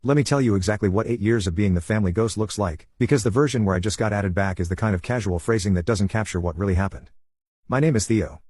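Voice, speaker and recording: Husky man narrating in a low, dry voice. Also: quick pace, darkish tone, no room sound. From United States. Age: 30s. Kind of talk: scripted first-person storytelling.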